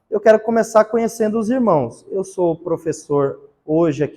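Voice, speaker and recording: This man has an unremarkable speaking voice. His intonation is lively and his pace moderate. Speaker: theology professor and pastor. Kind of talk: lecture. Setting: classroom.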